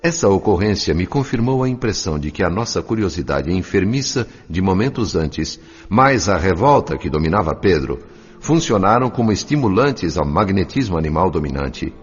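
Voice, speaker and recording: An actor playing a reflective, compassionate narrator in a radio drama audiobook, with a Brazilian accent. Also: male voice, low-pitched, very animated, normal speed, breathy edge, heavily acted. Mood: solemn, reflective. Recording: slightly dull sound. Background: faint music.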